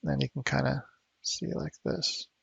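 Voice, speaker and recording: A man's voice: medium pitch, steady tone, moderate pace, creaky, a bit bright, breathy edge, dry recording, lo-fi sound. A man teaching digital sculpting at home, talking casually and thinking aloud with fillers as he works. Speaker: art instructor. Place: home studio.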